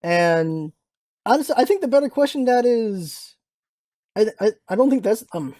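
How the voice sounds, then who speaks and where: A man hosting a casual gaming podcast, speaking haltingly as he thinks aloud. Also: high voice, animated, mellow, no room sound, studio quality. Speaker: podcast host and gaming content creator.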